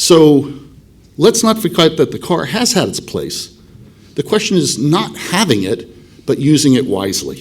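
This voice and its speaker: A man with an American accent talks at a fairly slow pace, his fairly high voice swinging very widely in pitch and showing vocal fry. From United States. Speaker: transport industry advisor, conference speaker. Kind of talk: conference presentation.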